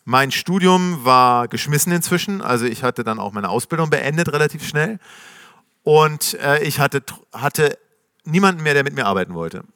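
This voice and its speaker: A middle-aged man telling his founder story to a live audience in a casual, slangy, animated way, acting out the voices of the people he quotes. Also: on the high side, moderate pace, clear, resonant tone, no echo, studio quality. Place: stage before a live audience.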